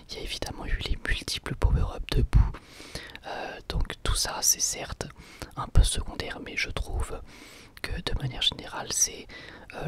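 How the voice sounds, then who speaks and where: A man hosting a whispered ASMR video, calmly answering viewer questions in a thoughtful, explanatory way. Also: fairly high pitch, vocal fry. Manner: soft-spoken, thoughtful and explanatory. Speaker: ASMR channel host.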